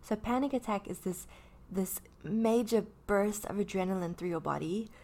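A woman's voice: mid-range voice, moderate pace, darkish tone. A woman in her early thirties talking candidly about her own anxiety, rambling with many fillers and restarts. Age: 30s. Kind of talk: personal talk about anxiety.

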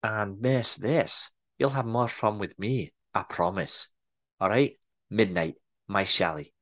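A man voicing a bossy, predatory woman manager in a put-on Scottish accent, husky and murmuring. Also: on the low side, slow, a bit bright. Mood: sultry. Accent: attempted Scottish.

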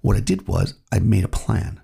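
A man hosting his own podcast, talking in a relaxed, reflective way while he has a cold. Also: lowish voice, moderate pace, creaky, slight background noise. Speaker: podcast host. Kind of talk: solo podcast monologue.

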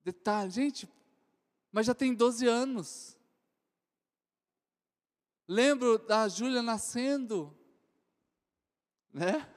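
A man in his forties with a Brazilian accent preaching a sermon, swinging from loud exclamations to soft joking asides. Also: sits high. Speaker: pastor. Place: church hall. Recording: reverberant church hall.

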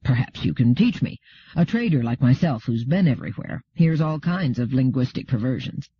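Here is a man acting a brash male settler trader for an audiobook, cheeky and self-assured. He talks informally and briefly, in a husky voice. The sound is slightly dull. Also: medium pitch, animated, moderate pace, no echo. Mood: cheeky, boastful. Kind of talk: audiobook character dialogue.

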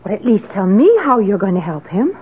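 A woman's voice: mid-range voice, lively intonation, a little fast, close to an everyday voice. An actress playing a worried, plaintive young woman in a 1970s radio drama. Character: worried, pleading young girlfriend, devoted daughter. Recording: tinny old radio broadcast with noise.

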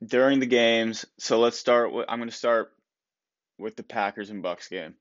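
A man's voice: mid-range voice, moderate pace, no room sound, dull audio. A young man hosting his own solo sports podcast, sounding stuffed up and rambling through opinionated takes with many restarts. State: stuffed-up nose. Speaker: podcast host.

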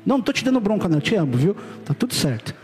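A man's voice: high-pitched, big pitch swings, rapid-fire, darkish tone, long reverb tail. A middle-aged man with a Brazilian Portuguese accent preaching a sermon to his congregation, urgent and direct, with casual slang. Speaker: pastor. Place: church hall.

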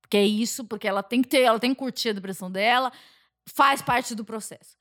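Brief: Brazilian woman, podcast guest, nonstop animated storyteller, voice sits a bit high. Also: fast. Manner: talkative, animated storytelling with frequent laughs. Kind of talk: casual podcast chat.

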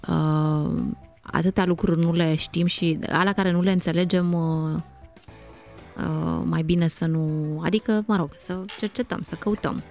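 A woman's voice: fairly low pitch, fairly even intonation, gravelly, a little mellow, soft background music. A woman co-hosting a morning radio show, chatty and laughing easily in the studio. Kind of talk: casual studio chat.

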